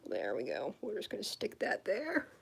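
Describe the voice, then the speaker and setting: A woman's voice: mid-range voice, huge pitch swings, moderate pace, creaky, breathy edge. A nineteen-year-old woman vlogging at her desk, rambling casually with little laughs and fillers while she crafts. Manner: chatty, giggly, rambling with many fillers. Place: indoors at a desk.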